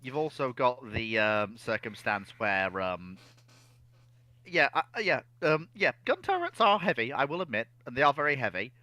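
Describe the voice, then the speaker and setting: Bright-voiced man analysing history. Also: medium pitch, big pitch swings, normal speed, no echo. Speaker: naval history discussion panelist.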